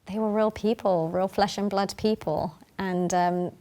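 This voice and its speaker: A woman's voice: medium pitch, steady tone, unhurried, warm tone. A woman, a playwright, talking in an explanatory interview style.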